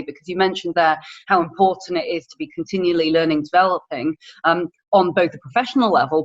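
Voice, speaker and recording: A woman hosting a podcast, interviewing in a conversational, encouraging and effusive way. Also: lowish voice. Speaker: podcast host. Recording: slightly dull, lo-fi online audio.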